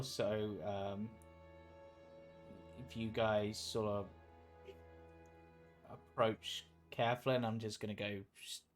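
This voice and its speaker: A man chatting casually as a player in a tabletop role-playing game, thinking through his moves. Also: lowish voice.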